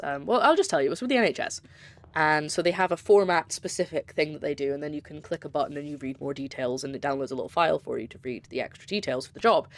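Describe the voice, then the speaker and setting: Streaming a puzzle game, a young woman from Scotland talks in a chatty, rambling way, frequently breaking off partway through her thoughts. She has a low-pitched voice, and the recording has no room sound.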